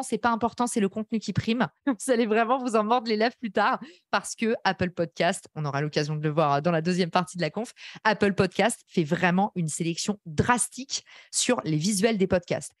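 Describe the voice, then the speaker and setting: A woman with a slight English-tinged accent leads a live workshop, talking fast and eagerly straight to her listeners. Her voice sits at an ordinary middle pitch. The sound is dry and close, with no room around it. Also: no echo. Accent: English-tinged French. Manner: chatty, enthusiastic, addresses the audience directly. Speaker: podcast course instructor.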